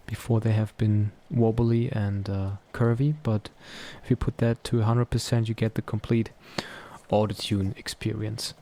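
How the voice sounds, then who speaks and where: A man presenting a software tutorial in a casual, explanatory style. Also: lowish voice, little pitch movement, moderate pace.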